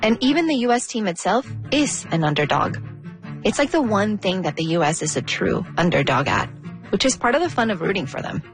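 A woman's voice: medium pitch, big pitch swings, a little fast, music in the background. Woman narrating a reflective personal essay. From United States. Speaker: radio feature narrator.

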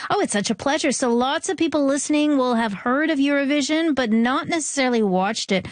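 A woman hosting a radio show, presenting in a friendly, smooth way at a studio microphone. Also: sits high, fairly quick. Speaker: radio host.

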